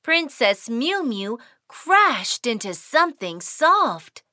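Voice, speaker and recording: A woman's voice: a little high, very animated, slow pace, pushed and bright, no room sound, clean studio sound. A woman narrating a children's cartoon in a sing-song, cheerful storytelling way.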